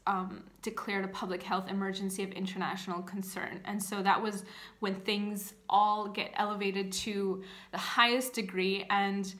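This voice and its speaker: A woman's voice: mid-range voice, a bit bright. A woman in her thirties, from Canada, chatting casually to camera about her life, with many fillers and restarts. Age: 30s. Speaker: channel host. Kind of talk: casual personal storytelling to camera. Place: small indoor room, seated.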